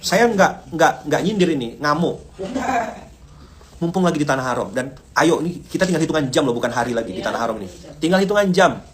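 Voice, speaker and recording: A man from Indonesia preaching informally to a group, animated and joking, often asking them to repeat his phrases. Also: fairly high pitch, fairly quick. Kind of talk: informal religious talk with a group.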